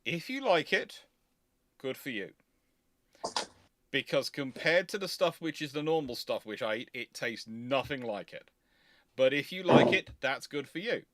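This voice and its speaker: A man's voice: medium pitch, lively intonation, unhurried, long pauses, background noise. A man giving casual live commentary, explaining things emphatically and repeating himself to qualify each point carefully. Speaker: host of naval history live Q&A.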